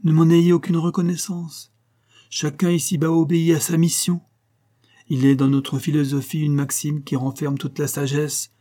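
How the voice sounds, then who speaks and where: A man voicing a calm, wise Hindu guide who speaks in a measured, solemn way. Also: mid-range voice, close to an everyday voice.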